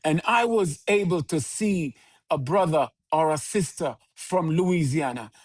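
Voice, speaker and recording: A man, a podcast guest who speaks in a measured, preaching cadence with repeated phrases. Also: on the high side. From Jamaica. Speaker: podcast guest, organization leader. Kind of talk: earnest conversational interview answers.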